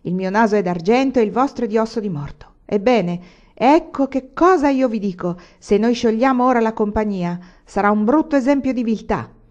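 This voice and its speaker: A woman reading the part of a bold male bandit chief who rallies his men loudly. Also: mid-range voice, expressive, normal speed, natural voice. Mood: rousing. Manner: loud and rallying. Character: fiery bold male bandit leader, rousing. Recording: dull lo-fi recording.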